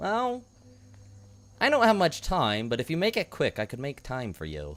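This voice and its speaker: A man's put-on character voice, fairly high in pitch, at a moderate pace, with faint music in the background. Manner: aloof, condescending.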